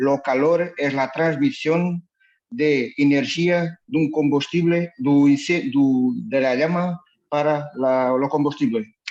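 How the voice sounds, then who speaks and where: A man with a Portuguese accent and a fairly high voice speaks very slowly, with ordinary pitch variation and very even loudness. The background is quiet. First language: Portuguese (speaking Spanish). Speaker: course student. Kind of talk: classroom answer. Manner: halting.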